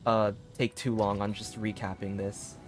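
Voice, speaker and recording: A man's voice: on the low side, flat delivery, moderate pace, noisy background. A man casually commentating on a live game stream and reading bits of on-screen text aloud. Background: game music.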